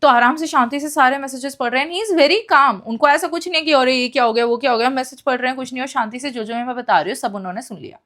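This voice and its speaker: A woman's voice: high voice, quick pace, hardly any pauses. A young woman telling a personal story in a casual, emotional monologue, mixing English phrases into her speech. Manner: emotional, expressive retelling.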